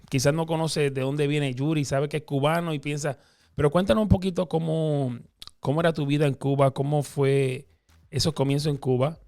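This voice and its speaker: A man hosting an online Christian talk show, greeting viewers with energetic, emphatic plugs before turning to a relaxed interview. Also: a little high. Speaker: host. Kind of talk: enthusiastic show host, then relaxed interview.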